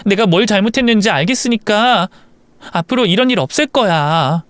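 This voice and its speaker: A man's voice: lively intonation, normal speed, fairly bright tone, no echo. A man voicing a flustered young wife who stammers and pleads, in a storybook narration. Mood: pleading. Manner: stammering, high-strung, pleading. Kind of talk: storybook voice acting.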